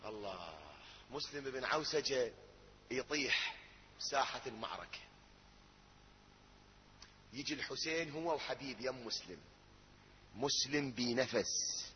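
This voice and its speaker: A man with an Iraqi accent reciting a religious mourning elegy, moving between spoken narration and wailing, drawn-out sung lines. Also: medium pitch, expressive, a little hiss or hum. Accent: Iraqi Arabic. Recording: echoey hall, dull lo-fi sound.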